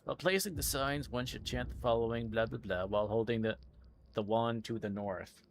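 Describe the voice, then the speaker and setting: A man's voice: mid-range voice, a little fast, a little hiss or hum. A man giving casual gameplay commentary and reading aloud, muttering to himself with dry, offhand asides. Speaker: game streamer. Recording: music behind the voice.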